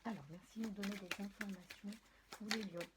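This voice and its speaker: A woman's voice: medium pitch, fairly even intonation, fairly quick, very noisy. A woman doing a casual spoken tarot card reading, talking straight to her viewers, hesitant, with many fillers, restarts and apologies. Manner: addresses viewers directly. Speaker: tarot and oracle card reader.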